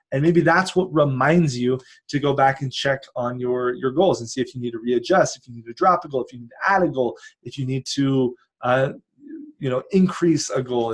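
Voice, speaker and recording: A man's voice: on the high side, husky. A man who hosts a coaching channel, talking casually and earnestly in an encouraging, conversational monologue. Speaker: online coach and channel host. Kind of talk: casual monologue recapping personal goals.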